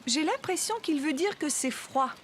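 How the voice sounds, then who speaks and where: A woman voicing a patient, caring young mother in a French-language children's cartoon, gently explaining things. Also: sits high, lively intonation, moderate pace, slight background noise. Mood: comforting.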